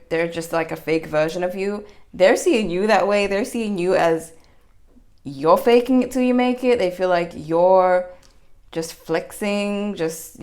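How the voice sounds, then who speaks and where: A woman giving a casual, rambling general tarot reading to her viewers, full of fillers and restarts. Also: fairly low pitch. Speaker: tarot reader.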